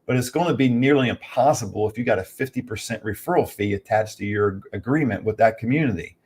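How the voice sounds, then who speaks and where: A man's voice: on the low side, quick pace, darkish tone, a little hiss or hum. A man coaching in an informal motivational business talk, conversational, repeating key points for emphasis and often checking in with short tag questions. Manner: conversational, emphatic repetition, frequent "right?" tags.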